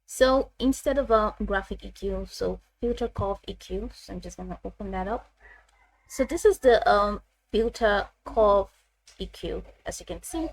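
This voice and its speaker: A woman with a mid-range voice hosts a software tutorial. She explains each step casually and haltingly, often circling back to repeat a phrase before moving on. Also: medium pitch, gravelly, low-quality recording.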